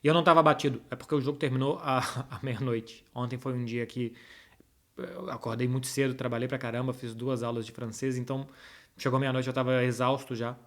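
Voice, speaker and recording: Speaking fairly quickly in a mid-range voice, this Brazilian Portuguese-accented host chats casually with his audience about football. He fields viewers' football questions and breaks down the game in a direct, informal way.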